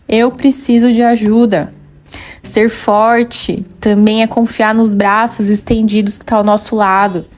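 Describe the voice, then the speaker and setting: Earnest Brazilian woman podcast host. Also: a little high. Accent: Brazilian Portuguese. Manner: chatty, retells scenes with quoted dialogue; earnest, encouraging, speaks to listeners directly. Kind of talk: personal storytelling and motivational monologue.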